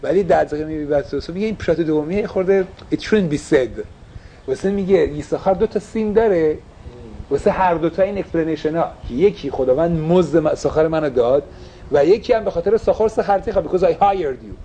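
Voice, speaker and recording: A man's voice: fairly high pitch, mellow, a little hiss or hum. A man teaching a casual religious class, asking his listeners questions and slipping English phrases into his talk.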